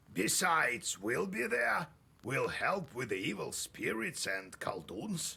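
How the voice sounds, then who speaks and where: A man's raspy, put-on character voice at a fairly slow pace with very wide pitch swings. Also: medium pitch for a man. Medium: video game. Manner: chuckling, warm.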